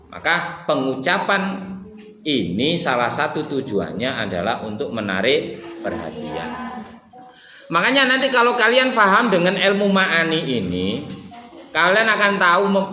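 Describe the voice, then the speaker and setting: Animated East Javanese man teaching. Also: a little high, roomy sound, slight background noise. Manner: animated, acts out quoted lines with shifting tone. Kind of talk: classroom lecture. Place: classroom.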